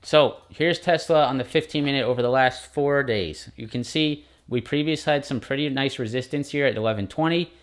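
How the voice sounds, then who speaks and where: A man hosting a morning stock market live stream, casually walking viewers through charts and calling them guys. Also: mid-range voice. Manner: quick, informal, addresses viewers as guys.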